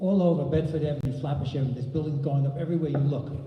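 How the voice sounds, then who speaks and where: With an American accent, a man speaks with ordinary pitch variation amid noticeable background noise and audible room echo. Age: 80s+. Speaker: community member giving public comment. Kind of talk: public hearing testimony. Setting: public meeting with audience.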